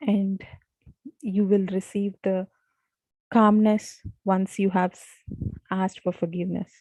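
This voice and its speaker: Somewhat breathy and dark, mellow in tone, a woman speaks at a fairly slow pace with long, frequent pauses. Her intonation is fairly even, and the sound is dry and close with no echo. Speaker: meditation and self-help group leader. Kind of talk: guided session teaching.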